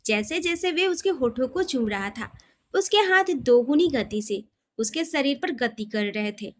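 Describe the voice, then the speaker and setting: A woman's voice: sits high, expressive, a little slow, a little hiss or hum. A woman storyteller reading a scripted romantic story.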